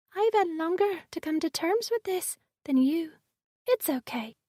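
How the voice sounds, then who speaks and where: A woman puts on a squeaky character voice at an extremely high pitch, soft-spoken with a gentle tone. She talks at a moderate pace. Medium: read story. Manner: soft, gentle.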